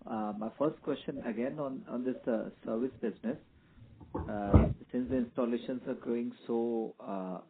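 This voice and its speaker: A man asking polite, halting questions as an analyst on an earnings call. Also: fairly low pitch, slightly rough. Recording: narrow phone line with faint noise.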